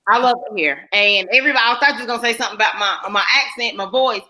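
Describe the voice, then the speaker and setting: A woman's voice: a little high, very fast, crowd noise. A woman with a Southern US accent from North Carolina, hosting a casual live chat and reading out viewer comments. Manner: chatty, reads viewer comments aloud. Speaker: livestream host.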